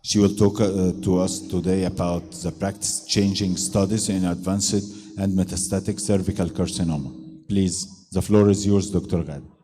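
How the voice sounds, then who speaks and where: A man's voice: low-pitched, steady tone, normal speed, few pauses, warm tone. A man chairing a conference session, formally introducing a speaker. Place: conference hall. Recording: faint background noise and ambience.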